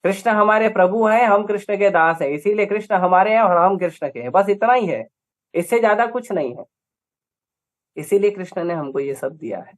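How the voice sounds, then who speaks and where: A man's voice: high voice, expressive, normal speed. Emphatic Indian man preaching. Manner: emphatic, rhetorical questions, repetitive lists. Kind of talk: scripture lecture.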